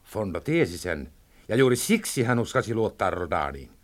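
Scheming opposition chief, lively intonation, radio drama. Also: male voice, on the low side. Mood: tense. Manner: measured, deliberate. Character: calculating male opposition leader, cautious and shrewd. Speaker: opposition leader. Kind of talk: 1960s radio drama acting.

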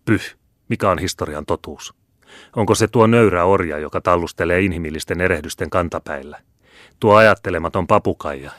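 A man's voice: sits low, fairly bright tone, no echo, studio quality. A man voicing a haughty, domineering older Jesuit superior who speaks in a scornful, commanding way in a storybook reading.

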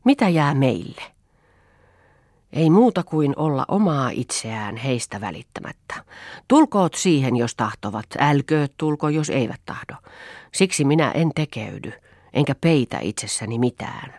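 A woman's voice: a bass voice, lively intonation, a little mellow, no echo, clean studio sound, heavily acted. A woman reading the part of a proud, headstrong young woman who speaks in a challenging, mocking way. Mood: defiant.

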